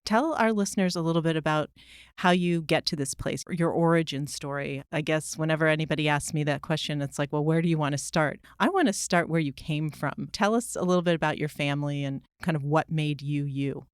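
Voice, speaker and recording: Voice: medium pitch, a little fast, smooth, no room sound, studio quality. A podcast host leading a conversational interview in a friendly way, with playful asides to listeners.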